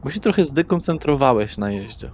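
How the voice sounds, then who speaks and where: Brief: male game master, middle-pitched voice, casual narration mixed with rules calls. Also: very animated, fairly quick, a little mellow, soft background music.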